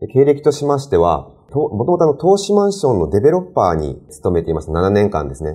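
Over a quiet background, a man with a dark, mellow tone and vocal fry speaks at a fairly quick pace, his pitch swinging very widely. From Japan, Ibaraki (Ushiku); Ibaraki, Japan. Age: 30s. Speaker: real estate consultant; presenter. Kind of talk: presentation. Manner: formal. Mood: polite, formal business Japanese.

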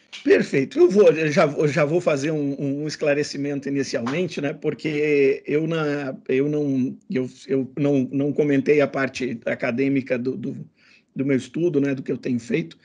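Over a quiet background, a man talks at a fairly slow pace with a fairly high pitch and ordinary pitch variation. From Santa Catarina, Brazil. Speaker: public prosecutor; guest. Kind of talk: interview. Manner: halting, many repetitions and fillers. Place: home room. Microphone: video call.

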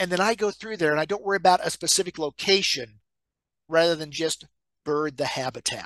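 A high-pitched man at a fairly quick pace with fairly even intonation, dry sound with no echo, and a quiet background. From US Midwest. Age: 60s. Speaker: birder and naturalist, retired extension agent; presenter. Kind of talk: webinar presentation. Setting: video call. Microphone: webcam.

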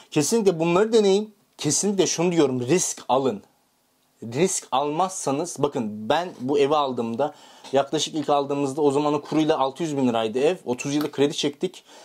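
Using a fairly high pitch, a man speaks at a moderate pace with ordinary pitch variation. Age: 20s. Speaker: mechanical engineer and YouTuber. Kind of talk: vlog talk to camera. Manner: hesitant with many fillers.

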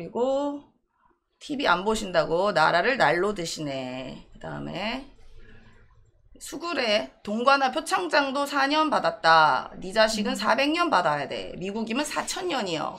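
A woman's voice moves through very wide pitch swings. Her loudness also swings a lot. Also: fairly high pitch for a woman. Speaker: political commentator hosting a livestream. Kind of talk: casual political talk show. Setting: studio livestream. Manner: fast; louder when angry. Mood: wry, warm sign-off. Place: studio. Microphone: studio mic.

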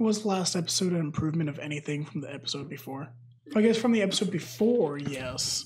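Noticeable background noise underlies a man with a fairly high pitch talking very fast with lively intonation. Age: 20s. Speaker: podcast co-host. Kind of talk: casual chat.

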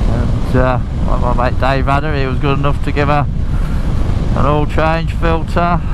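The sound is dry with no echo, against loud background noise. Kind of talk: casual vlog chat. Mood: relaxed, pleased. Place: motorbike. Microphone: helmet.

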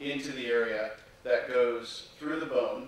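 A man with an American accent speaks at a moderate pace amid strong room echo. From United States. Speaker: physician and stem cell researcher; conference presenter. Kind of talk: conference lecture. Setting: conference hall with audience. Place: hall. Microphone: podium.

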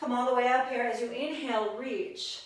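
A woman speaks at a high pitch. Room echo is audible around her. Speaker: yoga teacher. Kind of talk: guided yoga instruction. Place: home room.

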